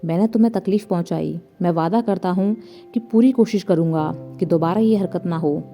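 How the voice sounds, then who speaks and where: A woman's voice: lowish voice, a little fast, mellow, faint music behind, lightly acted. A woman voicing a sulky, stubborn young man. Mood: pleading. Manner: pleading then grumbling, stubborn. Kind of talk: storybook narration.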